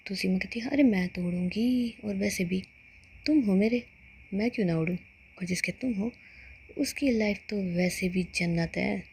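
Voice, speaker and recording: Woman storyteller, conversational love story narration, warm tone, slightly husky. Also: medium pitch, moderate pace.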